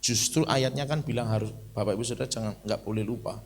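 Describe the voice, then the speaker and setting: Gravelly-voiced male preacher. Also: mid-range voice, quick pace, slight background noise. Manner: conversational storytelling, rising to emphatic declaiming. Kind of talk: sermon.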